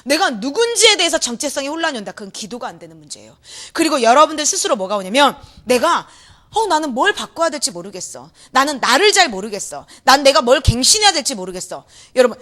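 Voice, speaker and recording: A young adult woman preaching an energetic sermon in a church hall, acting out voices, shouting and laughing as she talks. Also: high-pitched, fast. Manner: animated, acts out quoted voices, shouts and laughs.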